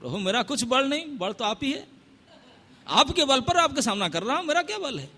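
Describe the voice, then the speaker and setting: A man voicing a humble, devoted male monkey god who answers softly but will not give way. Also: extremely high pitch, very animated, normal speed, pitched above the performer's own voice, full character voice. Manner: soft, humble.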